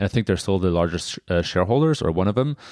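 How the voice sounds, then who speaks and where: Over a silent background in a very clean recording, a man talks at a very fast pace, the sound dry and close with no echo. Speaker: podcast host, SEO professional. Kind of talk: casual interview. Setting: conference hotel in Austria.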